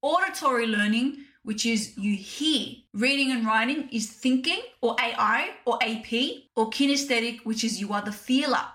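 Woman, 30s, solo podcast host, direct and chatty, bright tone. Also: fairly high pitch, moderate pace, few pauses. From Australia. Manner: chatty, direct, addresses listeners as "you guys". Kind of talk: casual solo podcast talk.

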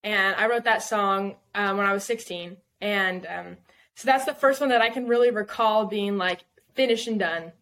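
A woman's voice: mid-range voice, moderate pace, fairly bright tone. Chatty young woman singer-songwriter. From Southern California. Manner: chatty, filler-heavy, laughs often. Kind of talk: casual podcast interview.

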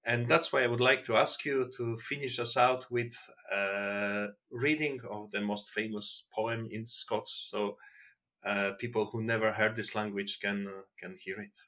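A man hosting a podcast interview, halting and repeating words as he searches for phrasing. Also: fairly low pitch, fairly even intonation, bright, forceful tone. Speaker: podcast host.

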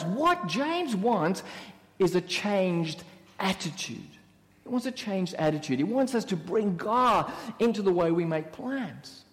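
Male preacher, sermon delivery, high and highly expressive pitch, emphatic repetition, hall echo. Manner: animated, repeats key phrases for emphasis; playful asides and mock voices.

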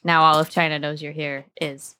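A woman's voice: low-pitched, level tone, moderate pace, sharp tone. A woman co-hosting a podcast, chatting in casual banter, giggly and casually swearing. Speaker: podcast co-host.

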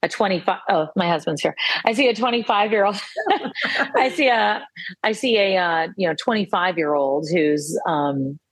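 A woman's voice: lowish voice, moderate pace, breathy edge, dry recording. A woman in her fifties, a guest talking about herself in a reflective, earnest way, restarting her sentences often. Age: 50s. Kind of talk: casual conversation.

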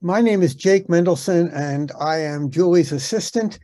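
Man, mellow tone, playful and joking, video-call sound. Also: on the high side, moderate pace. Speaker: host's assistant.

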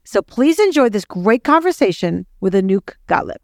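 A woman's voice: mid-range voice, sing-song, normal speed, vocal fry, darkish tone, dry recording, studio quality. A woman speaking as a podcast host and interviewer. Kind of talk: scripted podcast introduction and interview.

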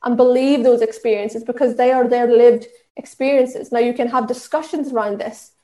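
An Irish woman with a fairly high voice speaks earnestly, teaching in an instructive, steady way, often restarting her sentences and adding fillers. Her voice rings in an echoey room. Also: normal speed. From Ireland. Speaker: diversity and inclusion trainer. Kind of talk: talk at an online session.

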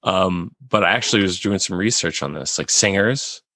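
A man with a raspy voice, hosting a casual podcast chat and rambling with many restarts. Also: deep voice, moderate pace, sharp tone, no echo.

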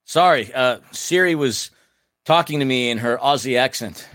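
A man's voice: medium pitch, moderate pace, a bit bright, no echo, clean studio sound. A man co-hosting a casual sports podcast, chatty and laughing often, sometimes stumbling over names. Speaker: podcast co-host.

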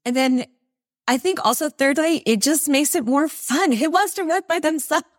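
A woman's voice: high-pitched, normal speed, no echo, studio quality. A woman in her forties, a guest on an interview podcast, talking in an upbeat, encouraging way. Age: 40s.

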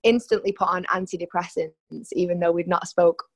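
A woman's voice: fairly low pitch, fairly even intonation, moderate pace, no room sound. A young woman with a Manchester accent, a personal trainer telling her story on a podcast in a candid, chatty way. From Manchester, England. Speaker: guest, personal trainer and nutritionist. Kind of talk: podcast interview. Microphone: remote call.

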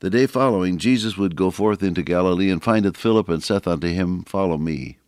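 Radio preacher, man, very low voice, a little gravelly, dry studio sound. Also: fairly quick, dry recording. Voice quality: slightly gravelly. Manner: reads scripture aloud with rising emphasis, folksy asides. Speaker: radio Bible teacher. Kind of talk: radio sermon, reading and expounding scripture.

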